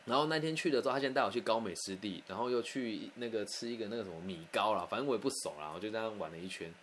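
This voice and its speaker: A man rattles through a personal anecdote at a quick clip. He is candid and animated, talking as if to a friend. His voice sits on the lower side, with a faint hiss of background noise. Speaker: storyteller.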